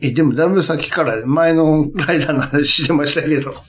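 A man's voice: fairly high pitch, fast. A man hosting a casual chat, teasing and questioning skeptically. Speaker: host.

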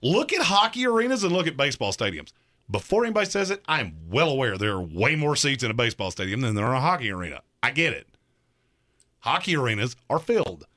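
Man in his thirties, sports radio co-host, bright lively voice, emphatic. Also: medium pitch, fast. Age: 30s. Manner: emphatic, argumentative.

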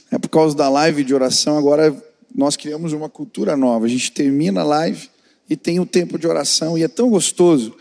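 A man's voice: on the high side, gravelly, a little mellow. A man preaching a conversational sermon as a pastor, telling family anecdotes. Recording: church hall reverb.

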